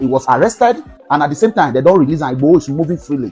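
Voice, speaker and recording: The voice swings very widely in pitch, with music playing in the background. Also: man. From Nigeria. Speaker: soldier. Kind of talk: impassioned political address to camera. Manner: emotionally charged.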